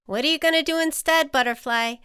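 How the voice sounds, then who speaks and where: Woman voicing a cheeky, high-voiced little storybook ant. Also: a little fast, bright, forceful tone, no room sound, studio quality. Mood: coaxing. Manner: chummy, coaxing, folksy. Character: small cheeky, persuasive, encouraging male ant. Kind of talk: children's storybook character voice.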